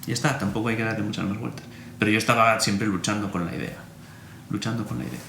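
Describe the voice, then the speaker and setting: Man, priest, low voice, animated storytelling, roomy echo, faint hum. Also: fast, gravelly. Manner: animated storyteller, acts out remembered dialogue. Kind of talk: personal storytelling interview.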